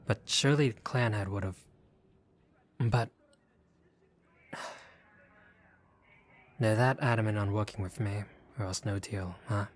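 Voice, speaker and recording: Wary young gangster for hire, played by a male actor, lowish voice, gruff but decent, sardonic and guarded, audio roleplay drama. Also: fairly even intonation, slow, pauses often. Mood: suspicious, exasperated. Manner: guarded, sardonic, casual street talk.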